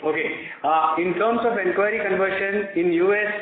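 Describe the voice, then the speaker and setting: A man's voice: high-pitched, moderate pace. A man, a company executive, giving a brief, hesitant answer on an earnings call. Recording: tinny, echoey phone line.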